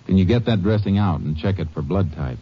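Texas Ranger: very low voice, shrewd and clipped, old radio western, muffled recording. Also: male voice, expressive, a little fast, husky. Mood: focused, businesslike. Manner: terse, matter-of-fact questioning. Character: steady, shrewd Texas Ranger investigator and narrator. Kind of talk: 1950s radio western acting.

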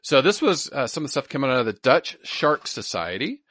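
A man's voice: mid-range voice, very animated, a little fast, a bit bright, no echo, studio quality. A man co-hosting a podcast, explaining science in an informal, chatty way and often repeating himself. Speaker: podcast co-host. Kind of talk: casual science chat.

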